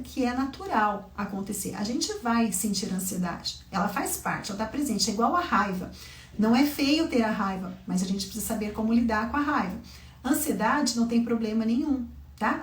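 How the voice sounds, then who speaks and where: Woman parenting educator, slightly high voice, chatty lecture style, echoey room, mic a bit far. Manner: conversational, frequent "tá?" and "né?" check-ins. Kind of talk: online class lecture.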